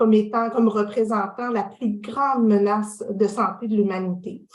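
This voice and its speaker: With a Quebec accent, a woman talks in a fairly high voice. Her pace is fairly slow and her intonation fairly even. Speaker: public health director, interviewer. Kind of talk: interview.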